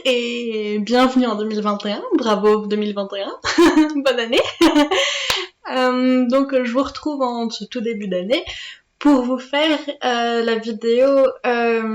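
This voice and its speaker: Chatty higher-voiced woman in an echoey room. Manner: chatty, hesitant, many fillers and restarts. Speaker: booktuber. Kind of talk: casual book review vlog.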